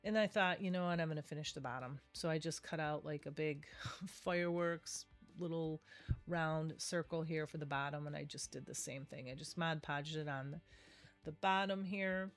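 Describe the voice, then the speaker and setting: Over faint background music, a middle-aged woman with a deep voice, nasal because of a cold, talks at normal speed through a casual craft tutorial she hosts. She chats, rambles and corrects herself often.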